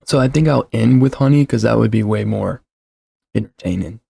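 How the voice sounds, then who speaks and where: A man's voice: on the low side, normal speed, creaky, mellow, slightly rough, no echo, studio quality. A man in his thirties hosting a casual livestream, rambling and self-deprecating, full of fillers and restarts, talking into a desk mic at home. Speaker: livestream host. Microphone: desk mic with shock mount.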